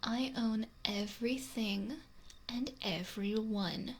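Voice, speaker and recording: A woman voicing a possessive, lonely, wealthy female mafia boss in a whispery, breathy, domineering ASMR roleplay, close to the microphone. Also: on the high side, takes it slowly. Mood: bitter, lonely. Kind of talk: intimate ASMR roleplay monologue. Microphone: close binaural microphone. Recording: noisy close binaural whisper recording.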